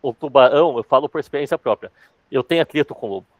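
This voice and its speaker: Fast-talking man, dry close sound. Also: medium pitch, no room sound. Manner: fast-talking, calls himself accelerated. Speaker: sales trainer. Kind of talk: casual live class chat.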